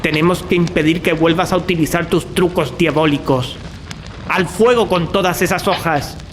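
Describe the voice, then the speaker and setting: An actor playing a stern, resolute student confronting a villain in an audio drama, speaking with firm command. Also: male voice, on the high side, moderate pace, soft background music, natural voice.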